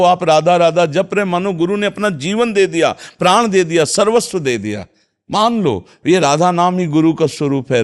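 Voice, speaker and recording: A spiritual teacher with a voice on the high side gives a devotional discourse, answering his followers' questions. He chants verses and then explains them.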